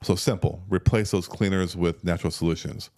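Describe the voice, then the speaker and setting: Deep-voiced man in his fifties, casual. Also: brisk. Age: 50s. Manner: relaxed, repeats words while thinking. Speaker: health coach. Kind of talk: casual conversational health talk.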